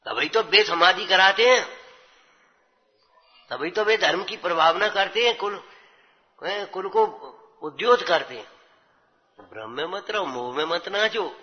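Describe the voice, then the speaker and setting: High pitched man preaching scripture, pushy questions, muffled lofi hall echo. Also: expressive, unhurried, pauses often. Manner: exhorting, checks with rhetorical questions. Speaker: religious teacher. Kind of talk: scripture discourse sermon. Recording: dull lo-fi with long hall reverb.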